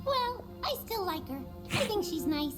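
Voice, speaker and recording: An actor voicing a naive, cheeky little cartoon bee boy, excitable and childlike. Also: very high-pitched, normal speed. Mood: chirpy. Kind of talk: animated audio drama acting. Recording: music behind the voice.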